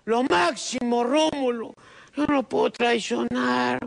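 High gravelly man, scheming caller. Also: slow pace. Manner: scheming, wheedling, calls everyone brother. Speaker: prank caller. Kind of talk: comic phone sketch.

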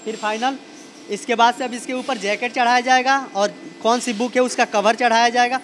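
A man's voice: very high voice, steady tone, fairly quick, fairly bright tone, a little hiss or hum. A young man guiding a reporter through a printing factory, explaining each step plainly with restarts and fillers, on a handheld mic. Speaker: factory guide at a printing press. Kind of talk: explaining a production process on a walkthrough. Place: large indoor factory floor with running machines. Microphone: handheld mic held by the interviewer.

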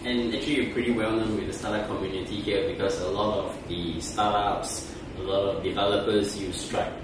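A low-pitched man hosts a business podcast interview, putting direct questions to his guest in an easy conversational way. He sits back from the mic, so his voice comes through a roomy, echoey office space. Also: steady tone, a little fast, recorded from a distance, background noise. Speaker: podcast host. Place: office meeting room.

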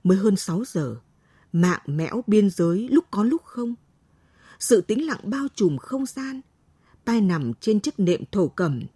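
Woman narrating a night-time story, unhurried, lilting delivery, soft husky tone, dry close sound. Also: medium pitch, dry recording. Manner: slow, gentle, expressive reading.

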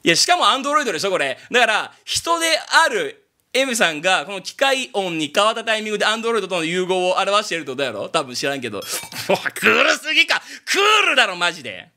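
A man from abroad who speaks Japanese as a second language, giving a casual reaction commentary on an anime opening and breaking into loud exclamations. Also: high voice, brisk. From outside Japan. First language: not Japanese. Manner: excitable, bursts into loud exclamations.

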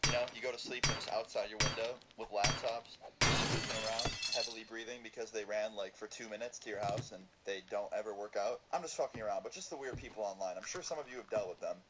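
Young guy rambling through a story real fast, lowish voice, loud noisy background. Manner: fast, profane, animated storytelling. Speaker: YouTuber. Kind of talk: casual storytime.

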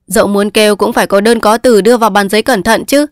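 A woman narrator reads the part of a fussy court clerk who is officious and quick to lecture, then turns polite and helpful. Her voice is mid-range with fairly even intonation, lightly acted, and the mood is scolding. The sound is dry and close, with no echo.

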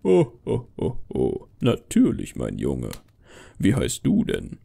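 Man putting on a deep, jolly old Santa. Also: wildly swooping pitch, creaky, dark tone, husky, heavily acted. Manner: slow, booming, patronizing to children.

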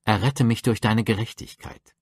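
A man reading psalms aloud for a Bible audiobook, measured and reverent. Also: lowish voice, breathy edge, dry recording, clean studio sound. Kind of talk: solemn scripture reading.

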